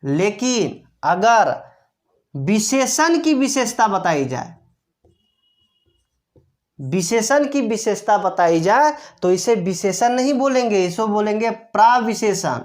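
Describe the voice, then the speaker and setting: A woman's voice: mid-range voice, lively intonation, slow pace, darkish tone. A woman grammar teacher explaining step by step, asking rhetorical questions and answering them herself, repeating each key term. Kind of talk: classroom-style explanation.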